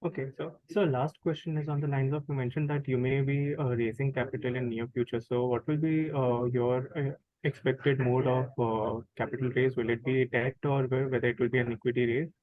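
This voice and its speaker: An Indian-accented man puts polite questions as an analyst on a conference call. His voice is average in pitch. The sound is dry and heavily narrowed, like a phone line. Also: fairly even intonation, fairly quick, no echo.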